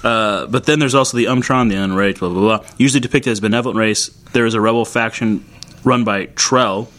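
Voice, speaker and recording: A man co-hosting a podcast in casual comedic banter, joking and swearing in quick bursts. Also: lowish voice, fairly bright tone, a little hiss or hum. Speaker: podcast co-host.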